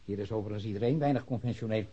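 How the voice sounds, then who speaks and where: An actor playing a formal, evasive ex-convict villager being questioned by police in a radio drama. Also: male voice, lowish voice, rapid-fire, dark tone, breathy edge. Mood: guarded politeness. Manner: stiff, precise, evasive. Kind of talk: naturalistic Dutch radio drama acting. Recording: muffled, dull radio drama recording.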